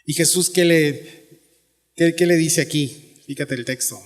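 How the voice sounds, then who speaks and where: A man's voice: fairly high pitch, a little slow. A man with a Mexican Spanish accent preaching a sermon in a church, earnest and conversational, often asking the listeners questions. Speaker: pastor. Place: church sanctuary. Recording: long hall reverb.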